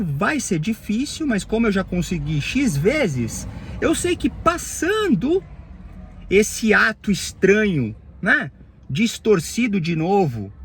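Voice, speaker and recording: A man with a Brazilian Portuguese accent, a therapist, speaking a reflective personal monologue in halting, phrase-by-phrase bursts with frequent tag questions. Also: sits high, slight background noise.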